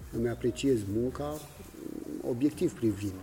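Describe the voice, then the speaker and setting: This man uses a normal speaking voice, pitched in the middle range. He talks at a medium speed. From Romania, Bacău. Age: 40s. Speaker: street artist and art teacher. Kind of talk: interview.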